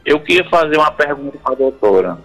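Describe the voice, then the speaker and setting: A man calling in to a radio show over a landline phone, asking a question in a hesitant, halting way. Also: on the high side, animated, a bit bright, soft background music, poor audio. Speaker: radio call-in listener.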